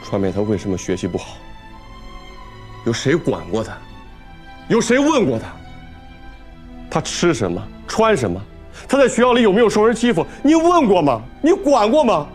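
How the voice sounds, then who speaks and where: A guilt-ridden young son in a TV drama, pleading with his father. His voice runs high and leaps up and down as he begs, raw and desperate. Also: huge pitch swings, moderate pace, long pauses, soft background music. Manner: desperate, pleading, tearful outbursts. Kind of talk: TV drama acting.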